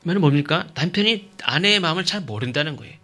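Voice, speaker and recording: Bright-voiced pastor preaching a sermon. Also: male voice, on the high side, lively intonation, fast talker. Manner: emphatic, asks rhetorical questions; checks in with the congregation.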